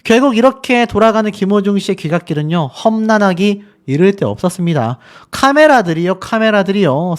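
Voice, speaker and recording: Male news commentator, high lively voice, indignant, rhetorical, emphatic.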